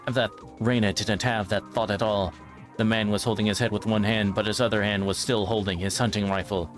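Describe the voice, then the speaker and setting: A man's voice: fairly low pitch, flat delivery, fairly quick. A man reading visual novel narration aloud, now and then stumbling over the text and repeating phrases. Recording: music behind the voice. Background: music.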